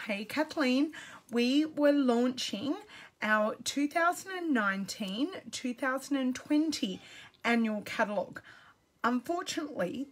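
An Australian woman with a slightly scratchy voice, chatting casually on a live stream and greeting viewers by name. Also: fairly high pitch. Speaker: craft product demonstrator.

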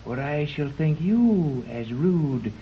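An actor playing a haughty, condescending man of a hidden scientific colony, speaking in a slow, pompous way in a 1930s radio drama. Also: fairly high pitch, expressive, slight background noise. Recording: dull old 1930s radio recording.

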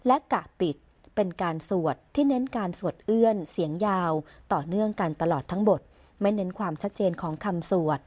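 A woman reading the royal court news in a measured, formal and even voice as a scripted broadcast voice-over. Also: mid-range voice. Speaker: news reader.

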